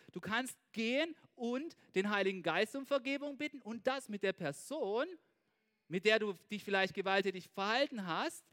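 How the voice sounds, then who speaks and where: A man giving an informal, animated sermon, talking straight to his listeners and checking in with them constantly. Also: high voice. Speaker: preacher.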